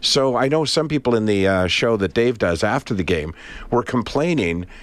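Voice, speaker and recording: A man's voice: on the low side, expressive, normal speed. A man co-hosting a radio show, talking sports in a wry, chatty way while he has a cold. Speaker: radio co-host. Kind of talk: casual sports chat.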